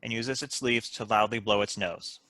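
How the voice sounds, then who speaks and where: A man reading stage directions as scripted narration for an animated comedy table read. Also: lowish voice, normal speed, dry recording, rough recording.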